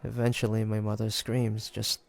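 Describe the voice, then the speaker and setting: A man playing a hesitant, gentle young demon hunter in an intimate audio roleplay, with halting, murmured delivery. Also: fairly low pitch, monotone, creaky, a faint crowd. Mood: somber. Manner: halting, murmured musing, stammers when flustered.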